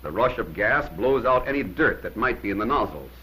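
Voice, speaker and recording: Husky, animated 1950s training film narrator, man. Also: on the low side, a little fast, low-quality recording.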